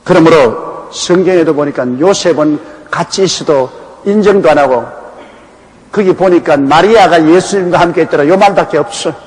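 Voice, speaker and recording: A Gyeongsang-province pastor in Korea tells folksy anecdotes during a Bible exposition sermon. His fairly high voice is a little mellow and moves at a moderate pace. An echoey hall and faint background noise color the recording.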